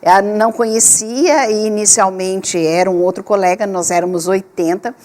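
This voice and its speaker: An older woman, born in Portugal and raised in Rio, speaking as a doctor guest on a TV talk show in a measured, reflective way with pauses. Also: medium pitch, steady tone, darkish tone, slight background noise. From Portugal, raised in Rio de Janeiro. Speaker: guest, gynecologist. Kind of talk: relaxed interview talk.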